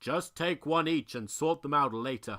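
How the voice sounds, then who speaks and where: A man puts on a gruff character voice, fairly high in pitch, at a moderate pace. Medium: read story. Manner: gruff, barking.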